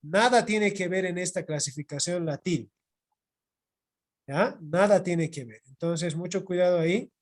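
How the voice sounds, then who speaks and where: Bolivian male teacher, high-pitched, slow and repetitive, online class on a computer mic. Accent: Bolivian Spanish. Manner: slow, repetitive explaining with checking "¿ya?". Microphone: computer mic on video call.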